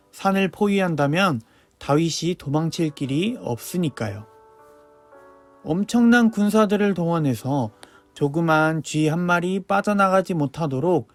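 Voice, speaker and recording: Male children's preacher, higher voice, lively storyteller, soft music underneath.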